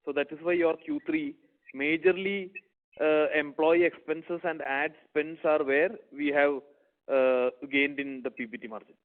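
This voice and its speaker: A man's voice: fairly high pitch, steady tone, unhurried. A man with an Indian accent speaking as a company executive, answering investor questions on an earnings conference call. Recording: narrow phone-like conference line.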